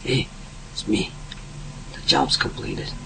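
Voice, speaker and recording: A man's voice: slow pace, background noise, close to an everyday voice. A man playing a cocky, sneaky henchman in a radio drama, talking in a smug, conspiratorial way. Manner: smug, conspiratorial, partly whispery. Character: cocky, sneaky male henchman reporting by phone. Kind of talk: amateur radio drama monologue.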